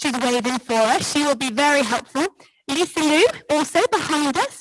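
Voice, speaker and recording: In an English accent, a woman with a high pitch talks at a moderate pace using lively intonation. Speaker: competition manager. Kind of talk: event briefing.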